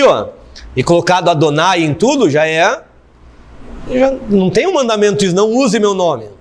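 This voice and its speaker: A man teaching a theology class, explaining step by step and repeating key phrases for emphasis. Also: high voice. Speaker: theology professor. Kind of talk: classroom lecture.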